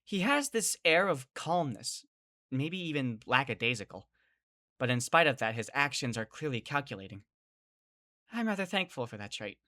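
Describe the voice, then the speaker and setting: Woman playing a low, animated, bewildered youngster. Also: moderate pace, full character voice. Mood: brooding, narrating. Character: bewildered, exasperated young kid narrating an apocalypse ordeal. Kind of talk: dramatic first-person narration and dialogue.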